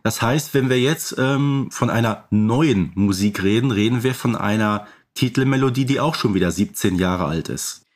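A man's voice: lowish voice, moderate pace. Man explaining details on a podcast. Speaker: podcast co-host. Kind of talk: casual podcast discussion.

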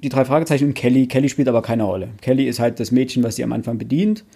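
A husky, dark-toned man speaks at medium pitch and a rapid-fire pace. He's co-hosting a podcast with a casual book discussion, talking colloquially and bluntly, sometimes getting mildly crude.

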